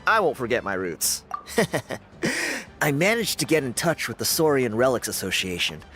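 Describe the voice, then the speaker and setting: A young man voicing a cocky, upbeat tribal dancer in a video game, breezy and boastful and quick to laugh. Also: medium pitch, sing-song. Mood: friendly eager. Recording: game dialogue with soft music behind.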